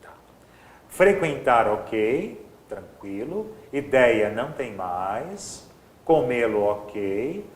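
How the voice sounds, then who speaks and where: A man's voice: mid-range voice, big pitch swings, drawn-out words, roomy sound. A man teaching an exam-prep grammar lesson, explaining step by step and checking in with his students often.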